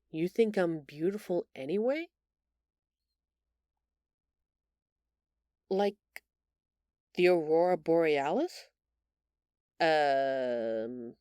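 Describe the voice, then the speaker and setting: An actress plays a timid, tender alien woman in a science fiction audio roleplay. Her voice sits a little low and moves slowly, with halting, earnest phrasing. The sound is very dry and intimate. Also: dark tone, no echo. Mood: shy, astonished. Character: gentle, timid bioluminescent alien woman, shapeshifter in human exile.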